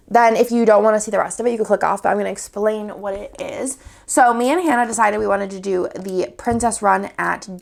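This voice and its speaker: Sniffling with a cold, a young sticker shop owner gives a casual showcase of new stickers, going through them one by one. She sounds chatty and upbeat, her voice medium in pitch and gravelly.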